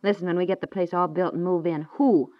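A woman's voice: lowish voice, steady tone, fairly quick, natural voice. An American woman playing a naive, soothing, stubbornly optimistic wife in a chatty 1950s radio comedy style. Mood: coaxing. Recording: dull vintage 1950s radio recording.

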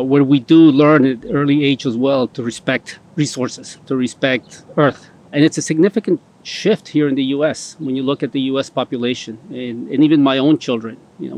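A man's voice: medium pitch, steady tone, a little fast, darkish tone. A middle-aged man from Colombia speaking earnestly in a news interview, with occasional restarts. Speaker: interviewee, company representative. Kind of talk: interview remarks.

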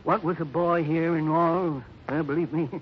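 A man's voice: on the high side, steady tone, moderate pace, lightly acted. An actor playing a mild, folksy, hesitant old man in a 1950s radio drama. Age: older. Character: folksy little old man, pleasant-faced, secretly murderous. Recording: muffled, noisy old radio recording.

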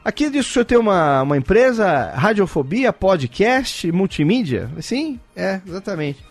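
Podcast host, man from Brazil, high lively voice, animated storytelling, faint music under. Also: moderate pace, dry recording. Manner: animated, acts out both sides of a dialogue. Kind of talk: casual storytelling among friends.

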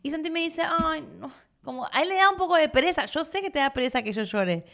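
A woman, co-hosting a casual chat with her partner in an expressive, emotional way. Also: high-pitched, fast. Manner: expressive, emotional, laughs easily. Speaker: co-host.

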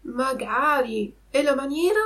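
A woman voicing a naive, excitable wooden puppet boy in a storybook reading. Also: high voice, unhurried, distant mic, voice pushed up. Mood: eager.

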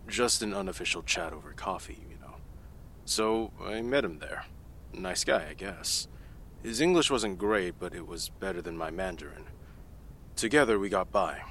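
A man playing a deep-voiced offhand analyst. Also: a bit bright, slight background noise. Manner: casual, offhand, conversational. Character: candid, casual male government analyst. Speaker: CIA technical analyst testifying. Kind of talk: audio drama acting.

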